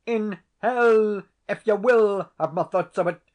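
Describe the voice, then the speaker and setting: A man's voice: on the high side, steady tone, moderate pace, muffled recording, voice pushed up, natural voice. A man voicing a desperate, pleading Scottish tenant who speaks in broad Scots dialect. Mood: furious.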